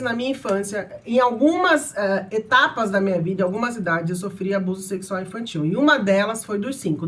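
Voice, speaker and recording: Brazilian woman, 30s, personal storytelling, emotional, swings between soft and loud. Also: on the high side. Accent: Brazilian Portuguese. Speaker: channel host.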